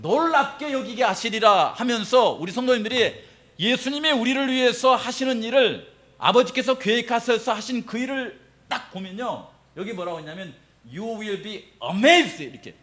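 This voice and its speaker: A middle-aged man preaching a sermon as pastor, animated, acting out quoted reactions and laughing often. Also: very high voice, normal speed.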